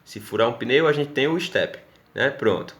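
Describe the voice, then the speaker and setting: A male teacher from Northeast Brazil with a Pernambuco Brazilian Portuguese accent gives a recorded class lesson, going step by step and checking in with students often. His voice is medium in pitch and fairly bright, with lively intonation and normal speed.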